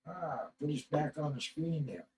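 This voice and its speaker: A man with a high voice co-hosting a casual livestream, speaking in a blunt, matter-of-fact way. He is heard from a distance, with faint noise in the background. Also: a little slow, a little mellow. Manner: blunt and matter-of-fact, adds short remarks and corrections.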